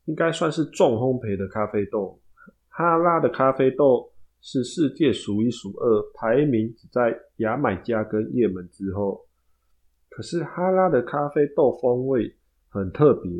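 A man's voice: medium pitch, a little mellow. A man with a Taiwanese Mandarin accent hosting a storytelling podcast, narrating casually with chatty asides to his listeners.

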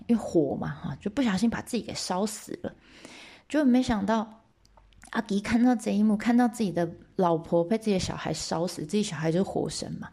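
A woman teaches a myth as a lively story, talking straight to her listeners with frequent asides. Her voice is dark and mellow with a gravelly fry, at a mid pitch for a woman. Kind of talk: storytelling lesson.

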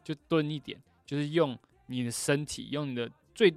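A man's voice: fairly high pitch, normal speed, no echo. Male singer guest, casual and self-mocking, dry close recording. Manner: relaxed, reflective, laughs easily. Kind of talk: casual conversation.

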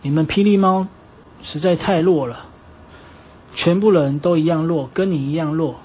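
A man's voice: on the high side, normal speed, mellow, slight background noise, natural voice. A man doing a boastful black bear wrestler. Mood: taunting. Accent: Taiwanese Mandarin.

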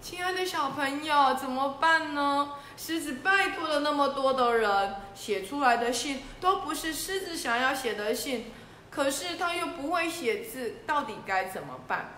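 A woman narrating a children's story in an animated, playful way, speaking to children. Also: high voice, normal speed, echoey room, slight background noise.

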